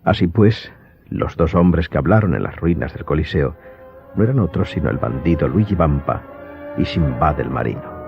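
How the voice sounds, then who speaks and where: A man with a deep voice narrates a dramatised story with wide, expressive swings and a sense of suspense. Music plays clearly behind him. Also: normal speed. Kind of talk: dramatic scripted audiobook narration. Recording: dull recording under clear music.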